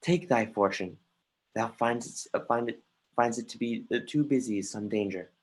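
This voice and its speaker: In an actor's stage reading livestreamed remotely from home, a husky, mid-pitched voice plays an anguished young prince, declaiming Shakespearean verse in an accusing, scornful, agitated way. It swings between muttering and outbursts, now and then stumbling over a line, at normal speed and lightly acted.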